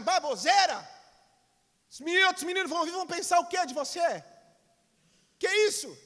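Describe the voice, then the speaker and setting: A pastor playing a stressed, shouting father. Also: extremely high pitch, voice pushed up, exaggerated voice. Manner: loud, harsh scolding. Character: stressed, gruff father scolding his young son. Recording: long reverb of a church hall.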